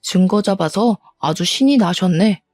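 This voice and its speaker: Woman doing a cheating husband, scornful and snappy, mellow dry voice. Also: mid-range voice, expressive, moderate pace, no echo, close to an everyday voice. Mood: defensive scorn. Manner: dismissive, scolding. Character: cheating middle-aged husband, defensive and blaming.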